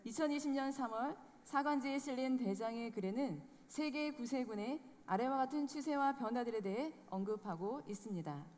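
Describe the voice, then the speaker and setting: High-voiced woman presenting a formal report. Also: moderate pace, few pauses, a little mellow. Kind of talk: scripted report narration. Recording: long hall reverb.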